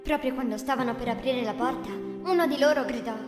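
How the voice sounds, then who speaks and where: A woman narrating a children's fairy tale in an expressive storytelling voice. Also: sits high, brisk. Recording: echoey, reverberant room with music.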